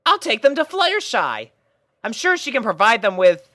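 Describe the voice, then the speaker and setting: A storyteller voicing a brash, caring, excitable cartoon pegasus pony mare with emphatic, drawn-out announcements. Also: mid-range voice, dry recording, studio quality, pitched above the performer's own voice. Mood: excited.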